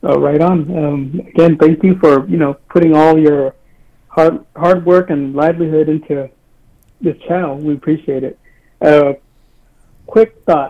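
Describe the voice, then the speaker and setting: Slowish and broken by long, frequent pauses, a man's fairly high voice carries fairly even intonation. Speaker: caller. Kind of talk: call-in to live show. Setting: phone call.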